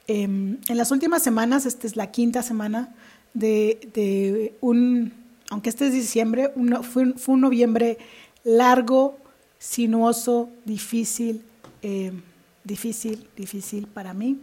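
Woman, Mexican accent, podcast host, executive coach, casual confessional monologue, laughs often, slightly high voice. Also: steady tone, slow pace, mellow. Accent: Mexican Spanish.

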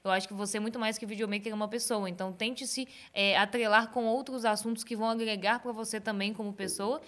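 A woman hosting a casual podcast, teasing her guests and giving advice to videomakers in a relaxed way. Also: mid-range voice, quick pace. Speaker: podcast host.

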